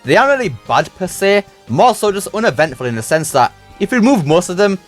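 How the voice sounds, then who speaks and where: A man with a slightly high voice delivers a scripted review in a casual, conversational way. His pitch moves around a lot as he gives his opinions, and faint music plays underneath. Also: very animated, fast. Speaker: video reviewer, channel host.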